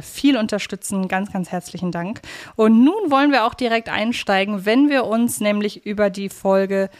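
A woman co-hosting a podcast, talking in a casual discussion style with a medium-pitched voice. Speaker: podcast co-host.

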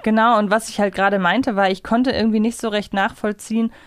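A woman's voice: mid-range voice, steady tone, brisk, no echo. A woman co-hosting a podcast, casually and reflectively explaining her thoughts. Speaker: podcast co-host. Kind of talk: casual discussion.

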